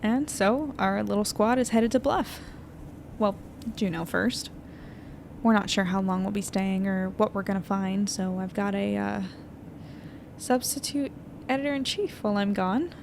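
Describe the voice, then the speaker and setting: A woman playing an anxious, weary young newspaper editor in an audio drama, confiding and hesitant as she thinks out loud. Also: medium pitch, a little slow, gravelly. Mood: uneasy, doubtful. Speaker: lead narrator of an audio fiction podcast. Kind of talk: intimate naturalistic audio drama monologue. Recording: noisy airplane cabin ambience.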